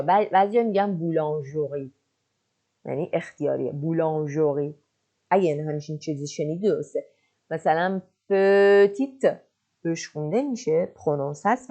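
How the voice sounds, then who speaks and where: A woman teaching French, patiently explaining and slowly reading French example sentences. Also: fairly low pitch, mellow. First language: Persian. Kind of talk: online language lesson.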